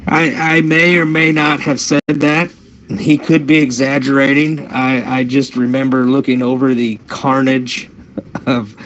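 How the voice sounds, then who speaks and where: A man from Chicago co-hosting a comedy show, boasting in deadpan with stammering restarts, on muffled lo-fi audio. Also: medium pitch, a little hiss or hum. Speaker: co-host. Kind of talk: comedic banter.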